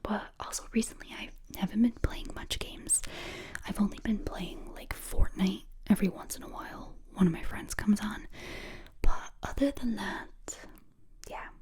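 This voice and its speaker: A woman in her twenties from the United States, whispering ear to ear as she answers viewer questions in a relaxed, chatty way. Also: medium pitch, normal speed. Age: 20s. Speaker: ASMR creator. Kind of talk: whispered ASMR Q&A. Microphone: close binaural mic.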